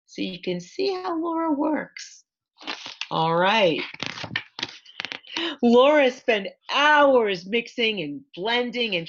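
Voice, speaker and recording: A woman author reading her picture book aloud to children in an expressive storytime manner, with asides to point things out. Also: fairly high pitch, dull audio. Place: online library event.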